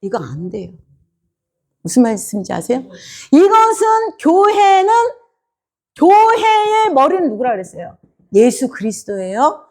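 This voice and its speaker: A woman's voice: sits high, very animated, measured pace, pauses often. A woman preacher giving a sermon in a church, quizzing her congregation and acting out the people she talks about. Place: church sanctuary.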